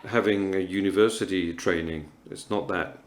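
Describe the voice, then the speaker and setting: A man in his fifties from Morocco, speaking at a writers' panel in a halting, earnest way, with many pauses and fillers. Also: low-pitched, fairly even intonation, faint music behind. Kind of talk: reflective festival panel talk.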